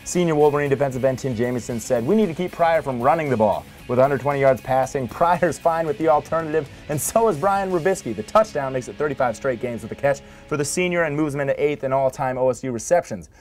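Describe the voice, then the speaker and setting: A male highlights narrator with a medium-pitched voice delivers a scripted sports voice-over. He is punchy and wry, stacking up statistics as he goes. Music plays beneath his narration. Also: fast talker, hardly any pauses, a little mellow. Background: music bed under the voice.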